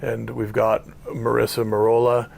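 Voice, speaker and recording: A man hosting an outdoor interview, asking measured, gently probing questions. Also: mid-range voice, monotone, gravelly, slight background noise. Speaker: podcast host, interviewer.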